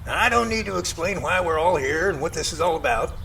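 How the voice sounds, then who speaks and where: A man playing a folksy, excitable professor who leads a search team in an amateur audio drama, with theatrical, old-fashioned phrasing. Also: fairly high pitch, quick pace, creaky, a little hiss or hum, exaggerated voice, low-quality recording. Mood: organizing, puzzled.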